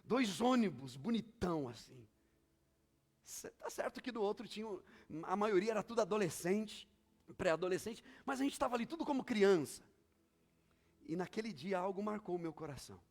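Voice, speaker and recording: A man's voice: high voice, expressive, normal speed, a little mellow. A male pastor, preaching a sermon with emphatic, repetitive storytelling.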